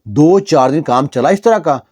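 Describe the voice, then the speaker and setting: A man's voice: fairly high pitch, animated, a little mellow. A man narrating a village story in a conversational way, with repeated fillers and restarts.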